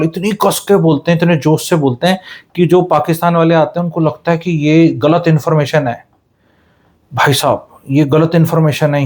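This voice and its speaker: Male real estate commentator, casual and animated, voices quotes, somewhat higher pitch. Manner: animated, storytelling with acted-out quotes, Hindi-English mixing. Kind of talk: casual talk.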